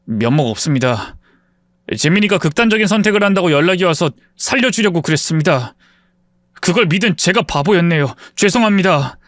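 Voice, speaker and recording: A man voicing an earnest, soft-hearted husband who swings from anger at a friend to humble apology. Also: high-pitched, animated, fairly quick, no echo, studio quality. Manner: angry then humbly apologetic.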